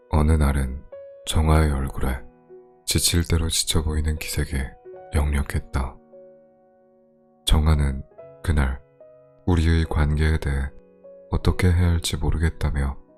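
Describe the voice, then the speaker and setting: Music plays behind a man with a very deep, low pitch and monotone, flat intonation. He speaks at a fairly slow pace, leaving long, frequent pauses. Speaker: guest narrator. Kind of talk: essay reading. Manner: slow, calm.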